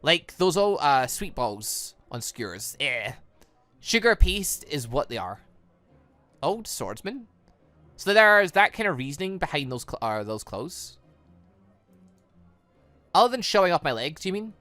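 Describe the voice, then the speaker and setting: Male gaming host, lively swooping delivery, slightly high voice, close dry sound, trips over words. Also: measured pace, pauses often, no echo, soft background music. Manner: stumbles over words and corrects himself. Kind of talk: visual novel read-aloud with off-the-cuff commentary.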